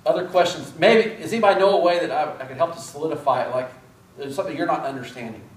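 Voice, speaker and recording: A man's voice: fairly high pitch, fast. Masked man lecturing in an echoey classroom. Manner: casual, self-deprecating, asks students questions. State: speaking through a face mask. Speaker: respiratory therapy instructor. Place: large classroom with whiteboard. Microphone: far camera. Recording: echoey room from far off.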